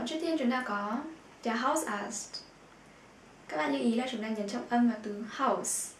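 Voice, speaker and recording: A woman teaching a language vocabulary lesson. She repeats each word slowly and clearly and often pauses on filler sounds. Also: fairly high pitch, darkish tone, recorded from a distance. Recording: echoey room with faint background noise.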